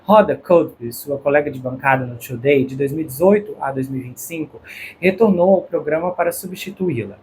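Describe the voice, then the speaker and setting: A man with a Brazilian Portuguese accent, host of a true crime channel, reading a crime news report in a steady, measured way. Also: a little high, a little hiss or hum. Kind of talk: read news narration.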